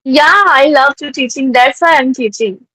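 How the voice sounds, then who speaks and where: A woman's voice: high-pitched, normal speed, pushed and bright, no echo. A woman with an Indian accent from North India, chatting in conversation practice, hesitant with frequent fillers. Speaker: tutor practicing English conversation.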